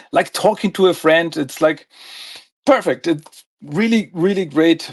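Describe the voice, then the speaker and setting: A man with an Austrian accent speaks fairly slowly in a high voice. His pitch varies in an ordinary way over a quiet background. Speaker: podcast host. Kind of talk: interview. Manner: hesitant, many fillers and repeats.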